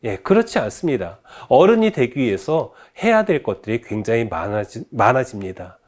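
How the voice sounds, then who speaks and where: A man's voice: medium pitch, big pitch swings, moderate pace, darkish tone. A man giving a Catholic faith education lecture, telling stories and asking rhetorical questions, with many filler "ye"s.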